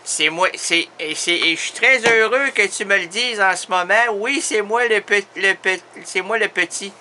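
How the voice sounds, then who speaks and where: A man's voice: high voice, normal speed, background noise, lightly acted. A man playing a stubborn, tipsy fellow who insists he is "little happiness" and keeps asking for a beer, rambling and stammering. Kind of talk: comedy sketch.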